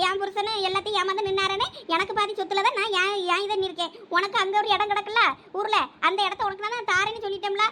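A woman playing a defensive, sharp-tongued elder sister in a village comedy skit, speaking with a Thoothukudi Tamil accent and quick retorts. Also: extremely high pitch, a little hiss or hum. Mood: aggrieved.

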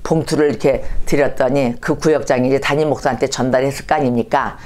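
A woman pastor preaching a storytelling sermon, lively and anecdotal, full of rhetorical questions. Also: a bass voice, fast.

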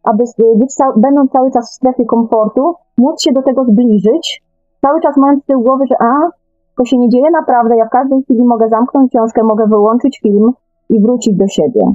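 A woman's voice: fairly high pitch, a little fast, mellow, soft background music. A woman explaining her points emphatically in an unscripted radio discussion, repeating and rephrasing as she goes. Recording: slightly dull lo-fi radio talk audio.

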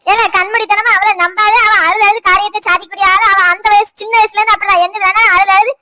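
A woman's voice: very high voice, little pitch movement, fast talker, bright, forceful tone, a little hiss or hum. A woman voicing a scolding old village grandmother with a Tirunelveli Tamil accent in a cartoon. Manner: scolding, mocking.

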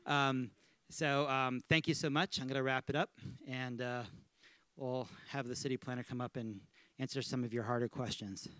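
A man's voice: mid-range voice, fairly even intonation, normal speed, bright, forceful tone. A man casually wrapping up his talk to an audience, with fillers like "um" and "uh". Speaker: guest speaker. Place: event hall with audience, indoors.

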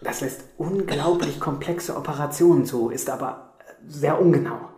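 An actor playing a technically minded programmer in a radio drama, explaining in a hesitant manner. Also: male voice, on the high side, normal speed, mellow, natural voice. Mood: explanatory, hesitant. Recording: roomy echo.

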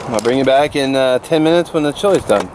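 A man's voice: medium pitch, quick pace, background noise. A middle-aged man chatting casually as he cooks on a campfire at a forest campsite, talking to a camera nearby as he moves around. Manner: relaxed, chatty, thinks aloud while cooking. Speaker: camping vlogger. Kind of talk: casual outdoor cooking vlog. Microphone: camera-mounted mic, speaker moving near and away.

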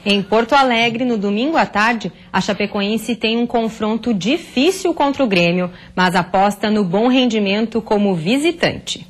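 Female anchor, thirties, somewhat high voice, clean studio sound. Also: lively intonation, normal speed, few pauses. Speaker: news anchor. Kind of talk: studio news presenting. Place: tv news studio.

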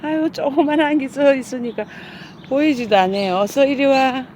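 A middle-aged woman with a high, darkish voice talks casually at a normal pace while feeding cats on a hillside outdoors, calling them again and again in a coaxing, affectionate way. She looks after the cats and hosts the channel. A little hiss or hum sits under the audio.

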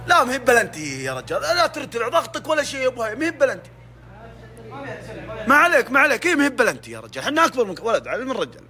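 A man hosts a casual social media video, teasing friends with playful mock sympathy. His voice sits high and swings widely. He talks fast with a bright edge. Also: wildly swooping pitch.

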